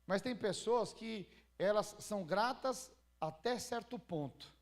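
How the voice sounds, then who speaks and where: A man's voice: high voice, slow. A Brazilian man preaching as pastor in a church, talking casually and retelling stories with questions to the congregation. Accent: Brazilian Portuguese. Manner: conversational preaching with acted-out anecdotes and rhetorical questions. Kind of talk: sermon.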